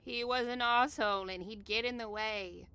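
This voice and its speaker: A cold and scheming villainess played by a woman in an audio drama. She speaks with a gravelly creak, close and dry, mocking her targets with smug, sardonic ease. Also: a little high, fairly even intonation, moderate pace, bright, forceful tone, no room sound. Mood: cold ruthless. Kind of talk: audio drama comedy acting.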